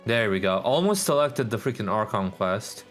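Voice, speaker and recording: A man's voice: lowish voice, animated, moderate pace. A man giving casual, slangy live-stream commentary on a video game, with muttered asides. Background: game music.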